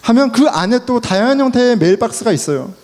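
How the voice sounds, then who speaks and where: A pastor preaches, his fairly high voice rising and falling as he tells a story against himself and acts out the lines of others. The long reverb of a church sanctuary hangs around every word. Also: lively intonation, fast, a little mellow. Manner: storytelling with self-mocking humor, acting out dialogue. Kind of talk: sermon.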